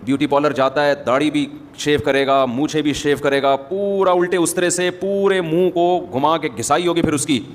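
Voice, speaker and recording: Male preacher, fairly high voice, casual sermon with asides, long hall echo. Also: slight background noise. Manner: conversational, joking asides to the audience. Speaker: Islamic preacher. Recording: long hall reverb, faint ambience.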